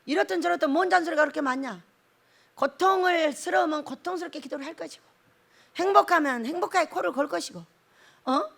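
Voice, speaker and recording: A woman's voice: extremely high pitch, a little fast, creaky, fairly bright tone. A middle-aged woman pastor giving a folksy sermon, laughing often and acting out prayers in quoted voices. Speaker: pastor, prayer house director.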